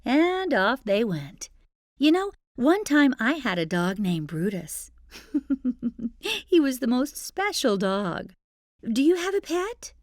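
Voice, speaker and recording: A woman's voice: a little high, big pitch swings, slow, no room sound, clean studio sound. A woman hosting a children's storytime, narrating expressively with playful, chatty asides to young listeners. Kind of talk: expressive fairy-tale narration. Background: music.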